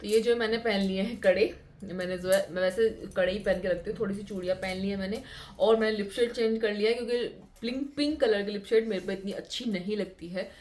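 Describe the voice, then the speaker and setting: A woman's voice: medium pitch, quick pace, a little mellow. A young woman, chatting casually to viewers in a home vlog, repeating words for emphasis. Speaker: vlogger. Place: home, indoors.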